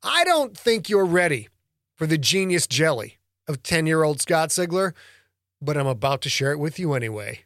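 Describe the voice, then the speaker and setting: A man's voice: on the high side, sing-song, moderate pace, a bit bright, dry recording, studio quality. A man hosting and narrating his own podcast in a playful, theatrical way. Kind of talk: dramatic story reading and casual podcast talk.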